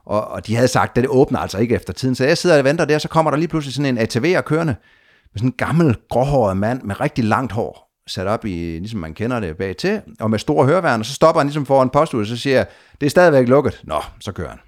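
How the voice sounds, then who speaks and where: A man telling a long story of his trip in a casual conversation, lively, with frequent restarts and repeated words. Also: mid-range voice.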